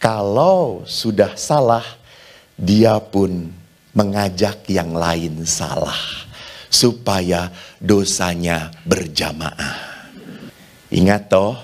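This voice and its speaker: A man's voice: low-pitched, drawn-out words, long pauses. A Catholic priest giving a humorous sermon to a congregation, acting out little dialogues to make his points. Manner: animated, preacherly.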